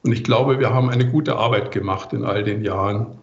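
An older man giving relaxed answers as an interview guest. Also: on the low side, a little fast. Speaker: composer interviewed as podcast guest. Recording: muffled, roomy, echoey remote recording.

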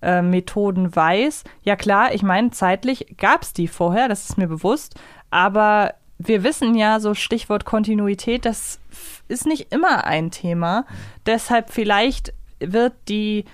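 A woman's voice: mid-range voice, unhurried, dry recording, clean studio sound. A woman co-hosting a podcast in casual discussion. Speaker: podcast co-host.

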